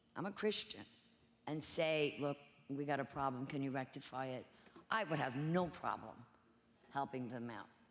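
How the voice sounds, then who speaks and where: Woman with ordinary pitch variation. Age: 70s. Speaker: tenant testifying at hearing. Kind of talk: testimony. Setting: town board meeting. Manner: halting.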